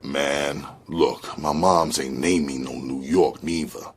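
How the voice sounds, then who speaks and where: Man doing a cocky flirty street hustler, slangy, deep husky voice, audiobook. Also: fairly even intonation, slow pace, exaggerated voice.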